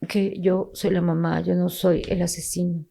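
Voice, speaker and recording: Middle-aged peruvian mom telling her story, really gravelly and husky, emotional. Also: on the low side, little pitch movement, moderate pace, mellow. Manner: emotional, quotes officials in tense voices. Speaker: grieving mother, guest. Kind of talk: emotional testimony.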